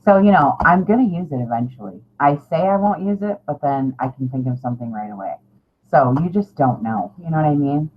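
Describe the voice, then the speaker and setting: A middle-aged craft vlogger chats casually and ramblingly with her viewers, informal, self-deprecating and a bit salty. Her low-pitched voice has lively intonation and a fairly quick pace. The recording has a dull lo-fi sound with clear background noise.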